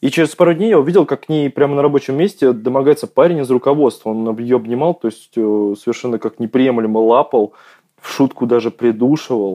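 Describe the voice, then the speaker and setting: A man talks in a normal speaking voice at a fairly quick pace, his pitch varying in an ordinary way. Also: medium pitch for a man. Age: 20s. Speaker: listener sending a question. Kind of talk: recorded voice message telling a personal story.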